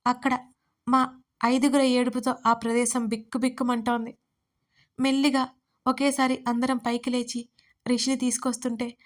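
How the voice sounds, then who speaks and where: A young woman telling an emotional first-person story as writer and narrator. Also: high voice.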